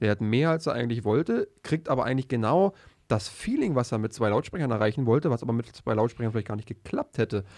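Over a quiet background, a normal speaking voice goes at a fairly quick pace with ordinary pitch variation. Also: man. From Brandenburg, Germany. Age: young. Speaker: real estate agent. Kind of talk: casual chat. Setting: studio.

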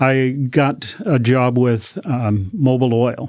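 The man's pitch is medium and varies in an ordinary way. He has a normal speaking voice. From US West (Colorado, Denver). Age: 60s. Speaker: former banker sharing faith testimony. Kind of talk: testimony.

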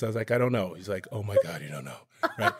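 A normal speaking voice with lively intonation. The sound is dry and close with no echo, on a very clean recording with a silent background. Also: man. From Schenectady, New York. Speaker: actor. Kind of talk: casual chat. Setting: studio.

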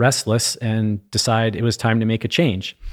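In a normal speaking voice, a man talks at a medium pitch. The sound is dry and close, with no echo. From upstate New York. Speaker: real estate investor and author. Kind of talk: interview.

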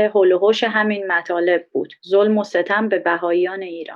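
An unremarkable speaking voice from a woman, fairly slow in pace and fairly even in intonation. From Iran. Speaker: painter. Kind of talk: interview.

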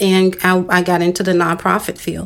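Over noticeable background noise, a woman with an American accent speaks at a moderate pace in a medium pitch, her intonation monotone and flat. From US South, Savannah, Georgia. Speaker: marketing firm CEO. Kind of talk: casual interview.

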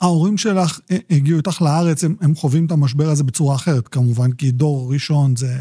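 Very even in loudness, a man's somewhat breathy, dark and mellow voice moves at a fairly quick pace with ordinary pitch variation. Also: fairly high pitch for a man. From immigrant to Israel. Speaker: podcast host. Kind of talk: interview. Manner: casual, conversational.

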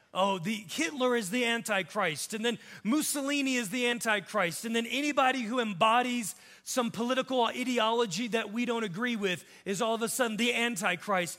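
A man talks in a raised, projected voice at an extremely high pitch, with a bright, sharp tone. His pace is fairly quick and his pitch variation ordinary. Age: 40s. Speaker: pastor. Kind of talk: sermon. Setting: church.

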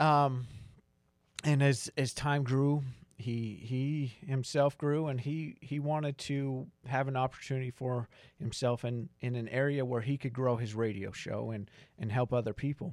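There is a very clean recording with a silent background of a man talking at a medium pitch, with fairly even intonation and a fairly slow pace. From Utah, Salt Lake City suburbs. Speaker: financial services associate. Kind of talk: casual interview chat. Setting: studio. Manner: halting, many fillers and repeats.

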